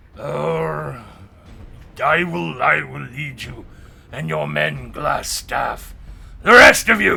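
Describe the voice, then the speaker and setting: A man does a put-on character voice, raspy and very deep in pitch, talking at a very slow pace with long, frequent pauses. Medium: actual play. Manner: commanding toward underlings, deferential to superiors.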